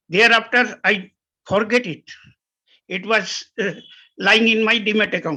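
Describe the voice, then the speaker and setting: Raised and projected, the voice carries a bright, sharp tone, fairly even intonation and a fairly slow pace in a very clean recording with a silent background. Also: man. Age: 60s. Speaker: shareholder. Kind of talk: shareholder question at company meeting. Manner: halting, many fillers.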